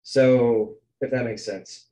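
A man's voice: medium pitch, fairly even intonation, slow pace, dark tone. A man in his twenties hosting a podcast, musing aloud in a hesitant, filler-heavy way. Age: 20s. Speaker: podcast host. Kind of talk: casual podcast conversation.

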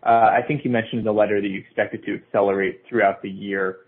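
A husky-voiced man, an analyst politely asking questions on an earnings call over a thin line. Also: fairly low pitch, level tone, fast talker. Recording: tinny, phone-like call line.

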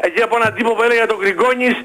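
A man playing a loud, know-it-all basketball fan in a radio comedy sketch, ranting and tripping over his words. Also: high voice, low-quality recording. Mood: lecturing.

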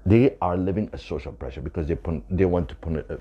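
A man's voice: deep voice, fast, mellow, husky, dull audio. A man of Arab origin, an author, speaking emphatically about his book and repeating his points to drive them home.

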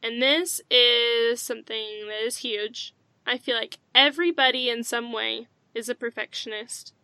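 A woman's voice: a little high, fairly even intonation, a little slow, sharp tone, dry recording. A woman in her twenties hosting a casual faith podcast, bubbly and enthusiastic, laughing often. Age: 20s. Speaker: podcast host.

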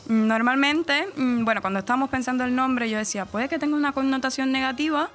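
A woman's voice: sits high, fast, fairly bright tone, soft background music. A woman from Cuba with a central-eastern Cuban accent, a radio presenter chatting at length as a guest in a casual radio interview. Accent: Cuban, central-eastern, from Camagüey. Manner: chatty, explains at length, laughs easily.

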